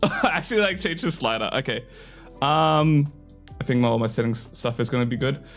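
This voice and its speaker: A young man with a slightly hoarse throat, chatting casually on a live stream in a rambling, self-deprecating way. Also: mid-range voice, expressive, moderate pace, a bit bright, faint music behind. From Australia.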